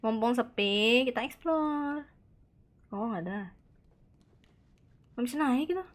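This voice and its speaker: A woman streaming a horror game live, chatting excitedly, reacting aloud and answering her chat, tossing in Japanese words. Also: on the high side, slow. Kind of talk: live gameplay commentary.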